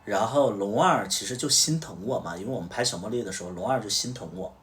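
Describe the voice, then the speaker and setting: A man with a fairly low voice hosts a livestream and tells a story in a casual, chatty way. He acts out the back-and-forth of what each person said. He sits a little way back from the microphone, so the sound is slightly distant. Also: quick pace, fairly bright tone. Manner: recounts events through reported dialogue. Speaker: livestream host.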